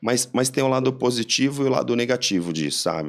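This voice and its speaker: A man talks with lively intonation. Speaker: neuroscience professor and speaker. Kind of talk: podcast interview.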